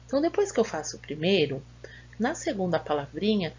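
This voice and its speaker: A woman's voice: fairly low pitch, big pitch swings, a little fast, darkish tone. A Brazilian woman teacher giving a remote grammar lesson, patiently asking and answering her own questions. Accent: Brazilian Portuguese. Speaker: school teacher. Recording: dull lo-fi audio with faint hum.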